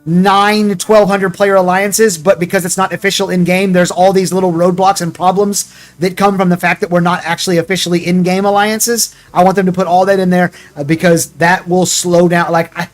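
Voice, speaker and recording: A man's voice: high voice, little pitch movement, moderate pace. A man hosting a gaming podcast, chatting in a rambling way with restarts and laughing at himself. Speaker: streamer and podcast host. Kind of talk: casual gaming podcast chat.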